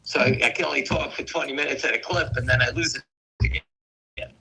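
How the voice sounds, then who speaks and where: A man with a voice hoarse from weeks of coughing, chatting in a rambling way as a guest on a live stream. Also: medium pitch, fairly quick, bright, forceful tone, a little hiss or hum, low-quality recording. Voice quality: gravelly, raspy. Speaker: guest on a stock market stream. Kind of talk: casual chat.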